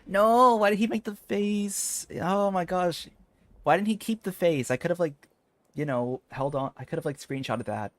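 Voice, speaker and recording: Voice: medium pitch, measured pace, fairly bright tone, no room sound. A game streamer chatting casually on a livestream while getting over a cold with a lingering cough. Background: faint game music.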